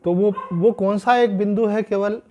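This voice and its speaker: A man gives a spiritual discourse in a fairly high voice. He explains patiently, in the manner of a sermon, and slows down to stress key points. Now and then he mixes English phrases into his teaching. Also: fairly even intonation, dark tone, muffled recording, a little hiss or hum. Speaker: swami giving a scripture discourse.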